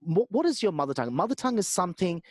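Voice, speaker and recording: A man's voice: high voice, very animated, racing, no room sound, clean studio sound. A man from Calcutta, India, whose first language is Bengali, talking earnestly as a podcast guest and often repeating words as he begins a point. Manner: earnest, emphatic, repeats words when starting. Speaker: podcast guest, business strategist. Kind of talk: conversational interview.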